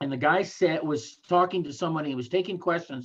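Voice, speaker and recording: Against a quiet background, a man's voice shows ordinary pitch variation. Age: 60s. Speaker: network marketing distributor. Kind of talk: motivational talk. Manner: laid back.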